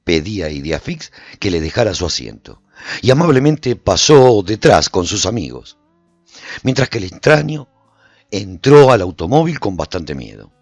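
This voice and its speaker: A man narrating a radio drama in an expressive storytelling manner. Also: fairly low pitch, moderate pace, no echo. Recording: dull lo-fi recording with faint music.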